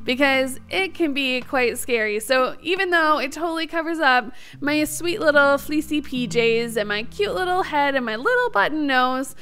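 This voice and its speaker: A woman's voice: high voice, lively intonation, moderate pace, hardly any pauses, bright, forceful tone, faint music behind. A woman giving casual let's-play commentary as the host of a gaming series, chatty, bubbly and enthusiastic.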